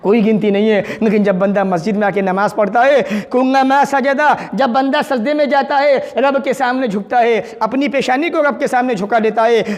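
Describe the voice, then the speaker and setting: A man preaches a fervent sermon in a very high, ringing voice. He asks rhetorical questions and recites Arabic passages. His voice carries a long reverb, as if in a large mosque hall. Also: a little mellow.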